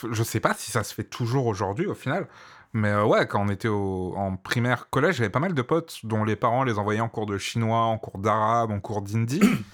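In a very clean recording with a silent background, a man talks at a moderate pace with a relaxed tone and medium pitch. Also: ordinary pitch variation. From Mauritius. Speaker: podcast host. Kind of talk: casual chat.

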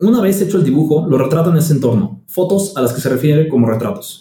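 A man's very fast speech with a Mexican accent, fairly high in pitch, with a dark, mellow, somewhat breathy tone and lively intonation. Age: 20s. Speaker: political podcaster and streamer. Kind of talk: reading aloud.

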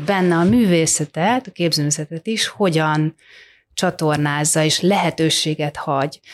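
Recorded very cleanly with a silent background and a dry, close sound free of echo, a woman talks at a fairly low pitch with ordinary pitch variation. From Budapest, Hungary. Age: 40s. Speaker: art historian and curator. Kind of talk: casual interview chat. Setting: studio. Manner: halting, many repeated words.

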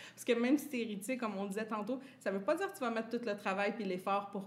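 Noticeable background noise accompanies a woman's voice. She talks at a very fast pace with ordinary pitch variation. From Quebec, Lebanese family. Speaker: hairstylist. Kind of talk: casual interview.

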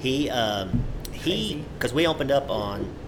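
Over noticeable background noise, a man with an American accent talks very slowly at a fairly low pitch, his intonation lively. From Texas (Lampasas). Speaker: coffee shop owner. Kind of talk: casual interview. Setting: in a coffee shop.

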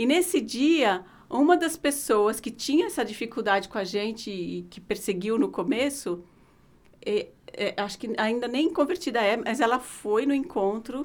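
A woman's unremarkable speaking voice, fairly high in pitch, with lively intonation and a fairly slow pace, on a very clean recording with a silent background. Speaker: missionary. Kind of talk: casual interview storytelling.

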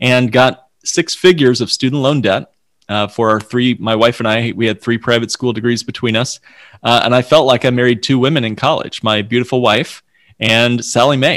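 A man with an American accent and a normal speaking voice, medium in pitch, at a fairly quick pace, on a very clean recording with a silent background. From US Midwest. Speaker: financial planner. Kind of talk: interview.

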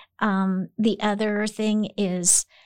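A woman talks in a monotone with flat intonation, at a medium pitch and with an American accent. The recording is very clean, with a silent background. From Texas. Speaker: pharmacy professor emerita. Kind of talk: interview. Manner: hesitant, many fillers.

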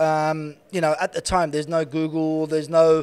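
A man speaks with an Australian accent. His pitch is fairly high for a man. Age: 50s. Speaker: real estate client advisory manager. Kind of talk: casual interview chat. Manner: animated.

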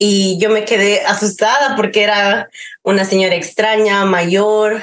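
At a fairly slow pace, a woman speaks in a flat monotone. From Bolivia. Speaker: podcast guest with gift of intuition. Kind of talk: casual interview chat.

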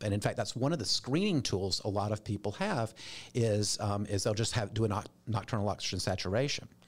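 A man with a Southern US accent at a very fast pace, on a very clean recording with a silent background. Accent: Southern American. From US South, south Georgia. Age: 50s. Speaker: cardiologist. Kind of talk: interview.

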